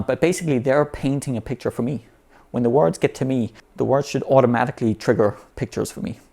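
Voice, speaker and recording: This explanatory talk on learning vocabulary comes from a man whose medium-pitched voice has a darkish tone. English is his native language, and he speaks informally without a script, regularly saying "you know" and restarting what he's saying.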